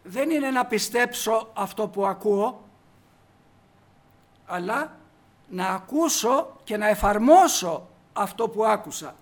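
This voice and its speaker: A man's voice: high voice, lively intonation, long pauses. A man preaching a sermon emphatically, putting rhetorical questions to the congregation.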